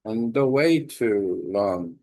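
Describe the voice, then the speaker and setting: Korean-accented guy running a language exchange, talks slow and lowish, lots of uhs and restarts. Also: animated, darkish tone. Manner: halting, many fillers and restarts. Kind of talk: informal spoken lesson.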